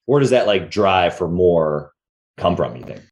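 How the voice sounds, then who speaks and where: A man with a moderately low voice hosts a casual interview. His delivery is informal and conversational, full of slang, as he leads up to each question. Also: big pitch swings, unhurried, darkish tone, dull audio. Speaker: podcast host, interviewer.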